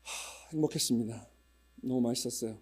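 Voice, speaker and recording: A man in his fifties, a pastor, chats with his congregation before the sermon, telling funny stories and imitating regional dialects. His voice is medium-pitched with a breathy edge, and he talks a little fast. It's casual church announcements delivered in a humorous, chatty way.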